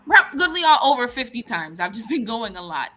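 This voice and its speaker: Bright-voiced, emphatic woman speaking frankly. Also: fairly high pitch, sing-song, moderate pace, a little hiss or hum. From United States. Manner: emphatic, frank, restarts often. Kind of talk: casual discussion.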